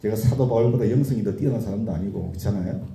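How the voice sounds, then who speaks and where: A man's voice: on the low side, racing, gravelly, mellow. A man in his sixties preaching a sermon, repeating key words for emphasis and acting out anguished questions to God. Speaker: pastor. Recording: echoey room.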